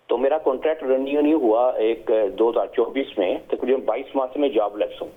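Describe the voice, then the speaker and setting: A hesitant middle-aged man calls in to a show, his talk full of pauses and fillers. His voice sits at a middle pitch and comes through a tinny phone line. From Pakistan. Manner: hesitant, many fillers, mixes in English words. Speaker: caller.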